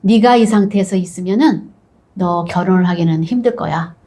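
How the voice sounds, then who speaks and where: A woman's voice: moderate pace, dark tone, close to an everyday voice. A woman doing a crafty, scheming old father. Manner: low, firm, coaxing commands.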